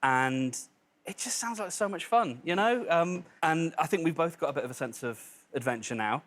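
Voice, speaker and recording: A man's voice: fairly high pitch, expressive, normal speed, fairly bright tone. A man from Birmingham chatting casually as a game show contestant. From Birmingham, England.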